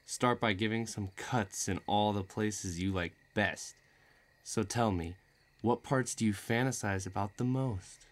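Guy acting as bloodthirsty villain itching for a duel, really low voice, menacing and predatory, roleplay audio. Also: unhurried, lightly acted. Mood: threatening, sneering. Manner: taunting, predatory, threatening.

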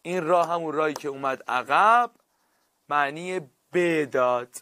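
Lively male teacher explaining grammar. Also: a little high, slight background noise. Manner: stretches words slowly for emphasis, asks students checking questions. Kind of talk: classroom grammar lesson.

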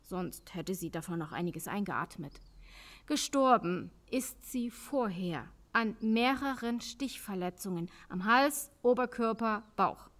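Brisk, tired female forensic pathologist played by an actress. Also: mid-range voice, expressive, natural voice. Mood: clinical. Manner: precise, matter-of-fact. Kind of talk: German crime radio drama acting.

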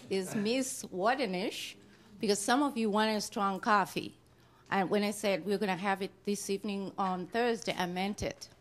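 Upbeat middle-aged woman hosting a class panel. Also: mid-range voice. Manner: welcoming, upbeat. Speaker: class host. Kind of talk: moderating a panel. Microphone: handheld mic.

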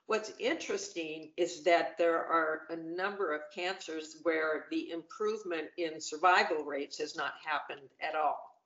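A woman's voice: sits low, a little slow, fairly bright tone. A middle-aged woman chatting on a video call, upbeat and talkative, with many fillers and restarts. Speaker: panel guest. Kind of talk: casual video-call chat. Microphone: video call webcam. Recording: roomy, dull webcam audio.

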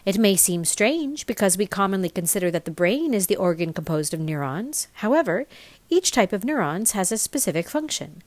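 Woman reading scripted narration, lively intonation. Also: medium pitch, moderate pace, no echo. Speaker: voice-over reader. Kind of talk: scripted narration of a spiritual explainer, read aloud.

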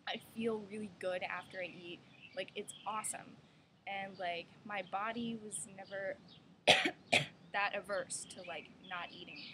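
A young trans man talking casually and rambling to a webcam outdoors, with lots of "like" fillers. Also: sits high. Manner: chatty, rambling, many "like" fillers. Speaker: vlogger. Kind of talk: casual video diary. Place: outdoors in a sunny yard by a stone wall. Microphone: webcam at arm's length. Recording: webcam audio with clear outdoor noise.

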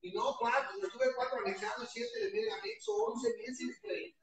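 A man's voice: extremely high pitch, big pitch swings, normal speed. A man with a Mexican accent giving an impassioned, heavily profane testimony at a support-group meeting, his voice often breaking. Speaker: recovering alcoholic giving testimony. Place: meeting hall with an audience. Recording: echoey hall, mic far off, crowd behind.

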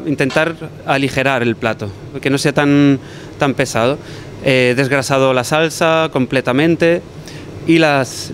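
Young man, chef, relaxed and thoughtful, restarts phrases, handheld mic, faint kitchen ambience. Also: mid-range voice, slight background noise. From Barcelona, Spain. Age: young adult. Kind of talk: TV interview answers. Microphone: handheld mic held by interviewer.

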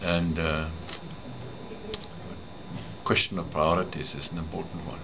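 Older South African man, Afrikaans native, very low voice, measured legal answers, noisy indoor camera audio. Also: flat delivery, vocal fry. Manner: measured, thoughtful, deliberate. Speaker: advocate being interviewed. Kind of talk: interview answers. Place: indoor room, seated. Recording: noisy room ambience.

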